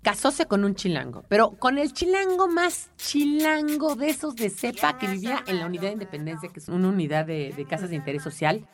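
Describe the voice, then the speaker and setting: Lively Mexican woman hosting a chat. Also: medium pitch, brisk, hardly any pauses. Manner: animated, slangy storytelling. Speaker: podcast host. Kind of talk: casual chat.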